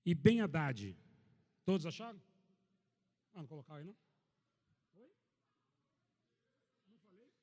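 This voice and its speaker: A man from Brazil preaching a sermon to a church gathering, reading scripture aloud and telling a funny personal story in an animated, joking way. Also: on the high side, a little slow, long pauses, long reverb tail. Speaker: pastor. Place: church meeting hall.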